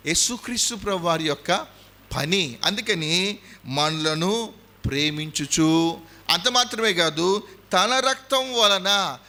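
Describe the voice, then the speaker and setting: Male pastor, Telugu accent, high bright voice, emphatic and repetitive sermon delivery, quizzing the congregation. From India. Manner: emphatic preaching, repeats points and quizzes the audience.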